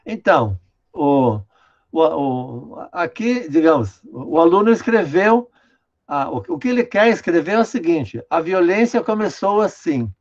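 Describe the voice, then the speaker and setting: A man's voice: a little high, sing-song, measured pace, a little mellow. An older man from Brazil, a linguistics professor giving an online lecture, patiently explaining a student's writing and tagging sentences with "né?". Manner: patient, explanatory, many "né?" tags, directs the screen operator. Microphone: video call. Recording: dull lo-fi video call audio.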